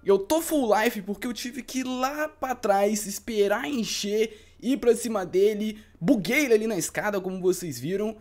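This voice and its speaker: A young man with a Brazilian Portuguese accent giving live gameplay commentary, excitable and frantic, repeating words. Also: high-pitched, normal speed, hardly any pauses, faint music behind. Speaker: gaming YouTuber.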